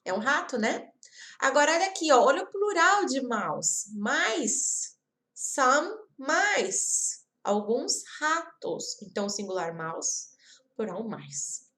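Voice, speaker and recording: A woman from Brazil teaching an online English lesson, repeating example words slowly and talking straight to her viewers. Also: high-pitched, big pitch swings, a bit bright. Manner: slow, careful repetition of example words; chatty, addresses viewers directly.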